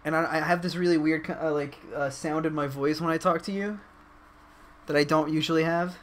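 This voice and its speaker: A man hosting a casual podcast chat, talking with excitable energy and cursing freely. His laughter keeps bubbling up between sentences. A faint hum sits under the recording. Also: fairly high pitch, a little fast. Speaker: podcast host.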